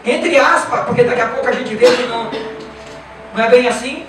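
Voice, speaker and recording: Brazilian pastor preaching, lots of repeating and questions to the crowd, voice far off in a big echoey church. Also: male voice, very high-pitched, fairly quick, background noise. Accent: Brazilian Portuguese. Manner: emphatic, repetitive, asks the congregation rhetorical questions. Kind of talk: sermon. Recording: echoey church from afar with music.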